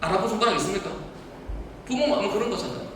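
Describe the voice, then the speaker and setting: A man's voice: high-pitched, animated, very fast, background noise. Man, pastor, sermon with questions, long reverb, distant mic. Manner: preaching with rhetorical questions to the congregation. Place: church hall. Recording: echoey hall, voice from far off.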